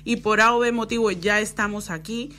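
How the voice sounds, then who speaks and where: A woman's voice: medium pitch, normal speed, sharp tone, a little hiss or hum. A woman from El Salvador hosting a Christian interview, reflective and affirming. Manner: reflective, frequent affirming backchannels. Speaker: host of a Christian program. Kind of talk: conversational interview.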